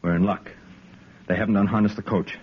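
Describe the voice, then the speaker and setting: An actor playing a brave cavalry lieutenant in a 1950s radio drama, giving brisk orders in a commanding way. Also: male voice, fairly low pitch, steady tone, a little hiss or hum, close to an everyday voice. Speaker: narrator and lead. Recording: dull old radio broadcast.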